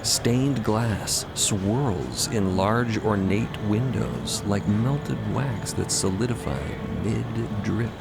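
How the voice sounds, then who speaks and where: A man narrating a fantasy audio drama in a deliberate, suspenseful manner, repeating phrases for dramatic effect. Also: fairly low pitch, vocal fry, heavy background noise.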